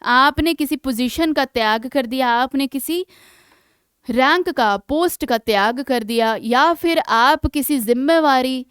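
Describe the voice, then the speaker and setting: A woman teaching English vocabulary for exam preparation, explaining in Hindi and reading English example sentences slowly and deliberately, often checking in with her students. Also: sits high, fairly bright tone, smooth, no echo. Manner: keeps checking in with "है ना". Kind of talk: exam-prep vocabulary lesson.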